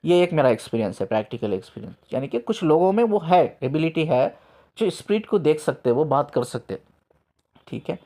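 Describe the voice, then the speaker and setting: A man working as a spiritual coach, telling a story in a lively way. He mixes English words into his talk and repeats himself to stress a point. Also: on the high side, fairly quick.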